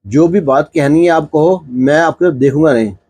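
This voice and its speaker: A man's voice: on the high side, darkish tone, husky. A man voicing a shy, nervous young village man who answers curtly in a told story. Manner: nervous, curt.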